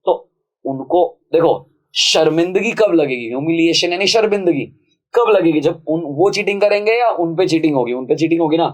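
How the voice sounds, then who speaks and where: A man teaching English grammar for exam prep, reading sentences slowly and explaining them in a casual, chatty way. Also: fairly high pitch, expressive, low-quality recording. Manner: casual, chatty, calls viewers friends and brother.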